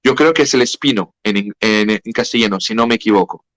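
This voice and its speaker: A man with a French accent speaking Spanish as a second language in a podcast interview, halting and searching for words. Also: fairly low pitch, a bit bright, no room sound. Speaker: guest.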